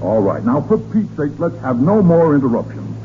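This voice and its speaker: A man's voice: a little high, sing-song, moderate pace, soft background music. A man playing an exasperated, sputtering middle-aged American father in a 1940s radio comedy. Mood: impatient. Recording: tinny, faintly noisy 1940s radio recording.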